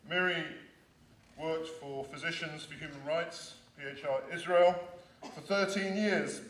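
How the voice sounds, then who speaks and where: A man hosting a conference reads a formal introduction of the next speaker in a somewhat high voice. He sounds distant, with a roomy echo around him. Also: steady tone, unhurried, a bit bright. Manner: formal, reading a prepared introduction. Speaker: event host introducing speakers. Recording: echoey room, mic at a distance.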